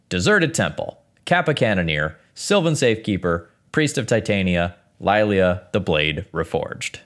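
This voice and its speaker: Deep, lively-voiced male podcast host. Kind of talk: casual podcast talk and ad reads.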